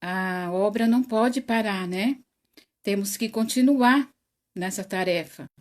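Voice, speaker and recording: A woman with a Brazilian Portuguese accent hosts an online spiritist study livestream, chatting casually, greeting each viewer by name and laughing a lot. Her voice is medium in pitch and her pace is measured, though she remarks that her voice is very loud.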